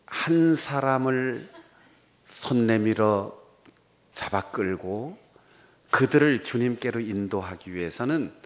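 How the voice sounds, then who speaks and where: Lowish-voiced pastor preaching with a Gangwon accent. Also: male voice. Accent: Gangwon Korean. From Korea. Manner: animated storytelling, acting out quoted dialogue. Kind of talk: sermon.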